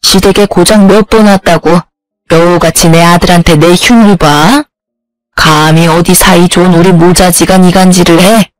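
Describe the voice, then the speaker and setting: Woman voices a low, slow-talking, bossy old mother-in-law in a storybook drama; dry sound. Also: fairly even intonation, no room sound, lightly acted, poor audio. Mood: contemptuous. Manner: slow, cutting, belittling. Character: nagging older mother-in-law, scornful and demanding.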